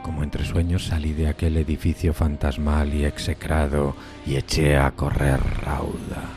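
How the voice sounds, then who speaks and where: An extremely low, cavernous male voice acted by a man for a lonely undead outcast in a gothic horror audio drama. The delivery is solemn, anguished and deliberate, with a fairly narrow melody. Music plays clearly behind the narration. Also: level tone. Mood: haunted, horrified.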